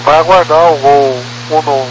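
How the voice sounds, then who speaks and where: A man's voice: on the high side, steady tone, a little slow. A Brazilian man, an airline pilot, making procedural readbacks over aviation radio. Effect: aviation radio transmission. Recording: noisy humming cockpit radio.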